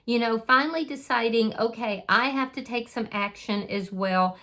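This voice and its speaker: Earnest woman giving a tarot reading. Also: a little high. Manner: earnest, reassuring, with many "you know" fillers and restarts; speaks directly to the viewer. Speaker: tarot reader. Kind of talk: casual spoken tarot reading.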